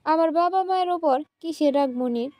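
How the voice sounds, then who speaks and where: A woman's voice: high voice, normal speed, a little mellow, dry recording, natural voice. A woman voicing a mistreated young female student who speaks in a tearful, pleading way.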